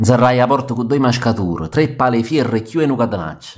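A man in a Neapolitan accent at a fairly quick pace, with ordinary pitch variation. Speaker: stage actor. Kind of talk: poetry reading.

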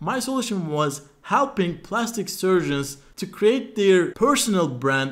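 A man with a Turkish accent, lively in intonation, at a very slow pace. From Turkey. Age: 20s. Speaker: online business coach and YouTuber. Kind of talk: tutorial. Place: home room. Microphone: webcam.

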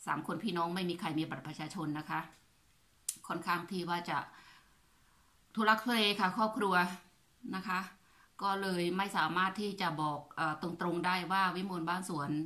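A woman's bright, sharp tone carries fairly even intonation. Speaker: food vlogger. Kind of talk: casual vlog chat telling life story. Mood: serious, reflective. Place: home room. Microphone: phone near.

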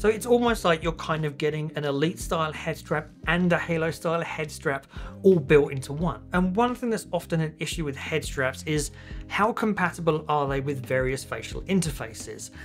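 At a moderate pace, a man talks while faint music sounds in the background. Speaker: tech reviewer. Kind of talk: product review. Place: home room.

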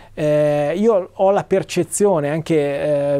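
A man with a fairly high voice and a dark, mellow tone speaks with ordinary pitch variation. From Italy. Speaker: fund manager; interviewee. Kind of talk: interview. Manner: halting, many fillers. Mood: calm, measured. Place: studio. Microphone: lapel.

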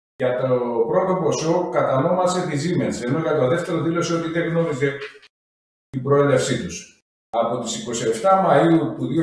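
A man speaks with ordinary pitch variation and long, frequent pauses in a room with strong echo. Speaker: parliamentary candidate. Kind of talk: political interview. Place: studio.

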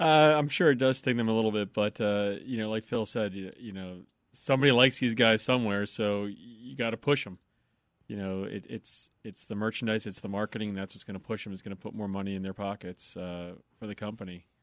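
In a very clean recording with a silent background, a man with a normal speaking voice and fairly low pitch talks at a fairly quick pace, with ordinary pitch variation and big swings in loudness. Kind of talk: casual wrestling discussion. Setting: Las Vegas.

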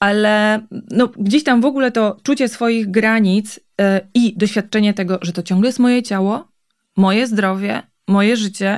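A woman's fairly high voice at a fairly slow pace with ordinary pitch variation, on a very clean recording with a silent background. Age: 30s. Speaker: body-awareness and movement trainer. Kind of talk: casual interview.

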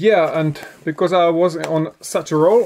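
In a Czech accent, a man speaks at a fairly slow pace with a high pitch. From Czech Republic. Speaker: music vlogger and record collector. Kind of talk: casual video monologue reviewing records. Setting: at home. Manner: halting, many filler sounds. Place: home room.

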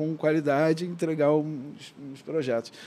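At a fairly slow pace, a man talks in a plain, everyday voice with a fairly high pitch. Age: 60s. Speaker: rock guitarist. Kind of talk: casual interview.

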